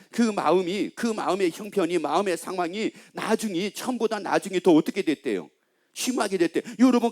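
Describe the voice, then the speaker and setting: A man's voice: high-pitched, darkish tone. A male pastor preaching a sermon in a church, emphatic and constantly asking the congregation questions.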